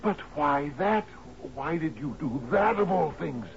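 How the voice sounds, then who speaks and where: An actor playing a grief-stricken sea captain in a 1970s radio drama, halting and repeating his words in disbelief. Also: a little high, animated, a crowd in the background. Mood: shocked, anguished. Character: grief-stricken male sea captain, devoted widower, anguished and commanding. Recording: dull noisy vintage radio broadcast.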